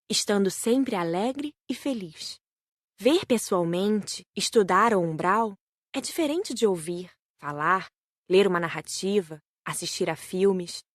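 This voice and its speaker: A woman with a Brazilian accent reading a scripted first-person audiobook narration. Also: mid-range voice.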